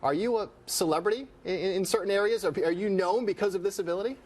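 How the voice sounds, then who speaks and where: A man's voice: high-pitched, fast, darkish tone. A man hosting a TV show, asking questions in a conversational interview style in a studio. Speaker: TV show host.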